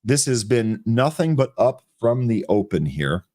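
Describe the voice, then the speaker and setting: A man co-hosting a live trading show, calling out tickers and chart levels in brisk, quick succession. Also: medium pitch, sing-song, mellow, no echo, clean studio sound. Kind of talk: live market commentary.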